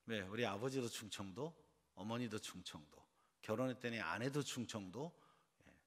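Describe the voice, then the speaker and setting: A man's voice: fairly low pitch, normal speed, fairly bright tone. A man from Seoul preaching an early-morning sermon as pastor, quizzing the congregation. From Seoul, South Korea. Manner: engages the congregation with quiz questions. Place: church sanctuary. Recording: long reverb of a church sanctuary.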